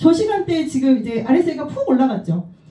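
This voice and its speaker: Talking at a very fast pace, a woman's voice makes very wide pitch swings. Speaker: crypto trading presenter. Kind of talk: presentation to audience.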